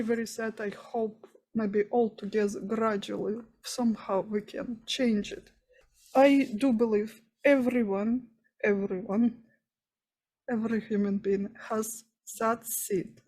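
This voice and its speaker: A woman with a strong Russian accent, teaching in an earnest, unhurried way, in short phrases with pauses. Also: fairly high pitch, mellow. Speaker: shamanism teacher. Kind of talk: spoken lecture.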